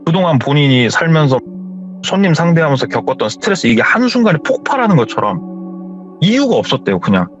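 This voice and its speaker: A man hosting a horror story radio show, telling a story in an animated way and acting out the quoted lines. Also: a little high, quick pace. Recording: dull audio with faint music.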